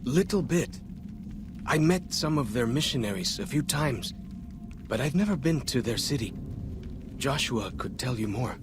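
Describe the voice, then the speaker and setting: Brief: male actor as a young tribal scout, plainspoken, relaxed, game dialogue with noise bed. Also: mid-range voice, unhurried, long pauses, lightly acted. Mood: earnest. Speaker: game character.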